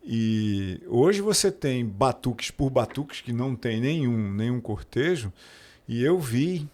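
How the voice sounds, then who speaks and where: A man, a podcast guest, explaining things carefully and quickly correcting details. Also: medium pitch, lively intonation, darkish tone. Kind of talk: casual podcast conversation.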